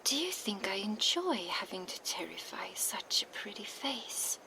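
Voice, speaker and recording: A woman voicing a cold, menacing female vampire enforcer in an ASMR roleplay, speaking in a soft, slow, taunting whisper into a binaural microphone. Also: mid-range voice, big pitch swings, vocal fry, rough recording.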